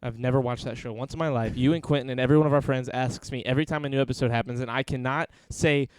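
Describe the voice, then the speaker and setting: A man's voice: medium pitch, smooth, dry recording. A young American man co-hosting a casual podcast, swearing and laughing often as he chats and reads the live chat. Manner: profane, laughs often, fast and animated. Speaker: podcast co-host.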